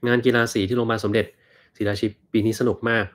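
A man in his thirties hosting a casual livestream Q&A, reading viewer comments and answering in a relaxed, chatty way full of fillers. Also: lowish voice, quick pace. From Thailand. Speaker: doctor and livestream host.

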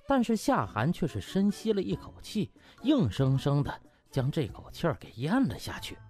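A man tells a comic story as an audiobook narrator. His mid-pitched voice swings widely in lively, dramatic storytelling, with music behind it.

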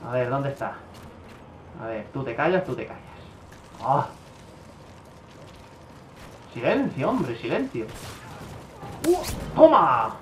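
Excitable swearing gamer man. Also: medium pitch, slow pace, long pauses, reverberant, a little hiss or hum, poor audio. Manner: swears often, bursts into excited outbursts. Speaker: gameplay commentator. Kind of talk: casual gameplay commentary.

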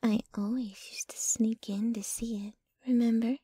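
A woman acts out a possessive young yandere girlfriend for an intimate ASMR audio drama. Her voice is soft, mellow and breathy, often slipping into whispers, recorded very close and dry. She coos and clings to the listener with a sweet, jealous menace. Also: a little high, fairly even intonation, no room sound. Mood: adoring, tender. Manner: slow, cooing, clinging to the listener.

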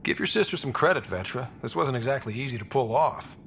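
A man playing a level-headed space explorer and squad leader in a video game, calm and measured. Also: medium pitch, slight background noise. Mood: calm, reassuring. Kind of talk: video game cutscene acting.

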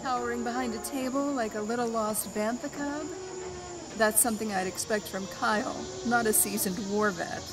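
A woman's voice: fairly high pitch, moderate pace, over music, close to an everyday voice, low-quality recording. A woman playing a plucky, wisecracking rebel fighter and pilot in a fan-made sci-fi audio drama. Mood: cocky, teasing.

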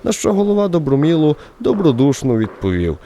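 A man narrating a radio play in an expressive, theatrical storytelling style, shaping scripted literary prose phrase by phrase. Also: a little high, a little fast, slight background noise.

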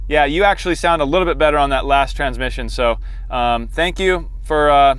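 A man's voice: on the high side, a little fast, fairly bright tone, clear, resonant tone, no echo. A man in his forties hosting a casual product test, talking in a conversational way from inside a car. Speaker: host. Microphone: lapel mic.

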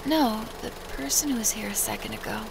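Woman acting a high, halting, shaken young woman. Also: creaky, background noise. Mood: dazed. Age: young adult. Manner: halting, hesitant. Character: shaken, earnest young woman, crash survivor.

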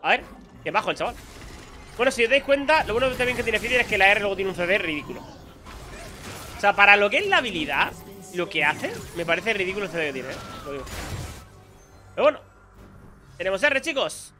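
A high-pitched, very bright and sharp male voice, talking through a match in quick, excitable bursts and taunting the enemies. Faint music plays underneath. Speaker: gaming YouTuber. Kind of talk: live gameplay commentary.

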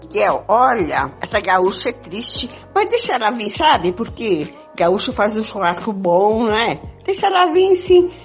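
An older woman playing a pleading, jealous, melodramatic wife in an amateur radio soap opera, with a husky voice. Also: medium pitch, very animated, unhurried. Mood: resigned. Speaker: amateur participant in a radio play. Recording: dull lo-fi audio with music.

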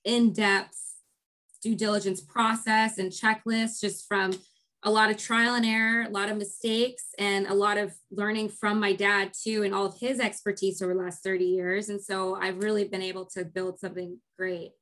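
An American woman in her thirties with a hoarse, strained voice from losing it, talking casually as a guest expert on a video call. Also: mid-range voice, level tone, normal speed, a bit bright. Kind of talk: casual interview talk. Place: indoor room, video call. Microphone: computer video-call microphone.

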